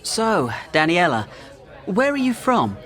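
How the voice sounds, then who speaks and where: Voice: mid-range voice, huge pitch swings, takes it slowly, a bit bright, a faint crowd, full character voice. A speaker voicing a sing-song friendly questioner. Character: friendly questioner meeting new people. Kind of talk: scripted practice dialogue.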